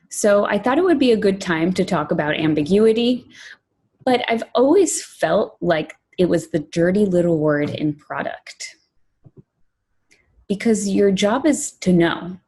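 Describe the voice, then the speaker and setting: A woman from Poland, raised in New York, giving a prepared conference talk as a product director, measured and clear, with lists and emphasis. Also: medium pitch, mellow, a little hiss or hum. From Poland, raised in New York City.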